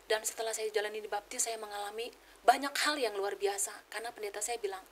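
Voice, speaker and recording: A woman's voice: mid-range voice, fast, a little hiss or hum. A middle-aged woman giving an emotional personal testimony as a podcast guest, acting out the voices of people in her story. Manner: animated storyteller, acts out quoted voices.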